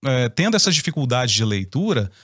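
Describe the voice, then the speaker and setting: A man's voice: mid-range voice, sing-song, fairly quick, fairly bright tone, dry recording. Opinionated Brazilian man, dry sound. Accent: Brazilian Portuguese. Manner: explanatory, opinionated. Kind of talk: casual discussion.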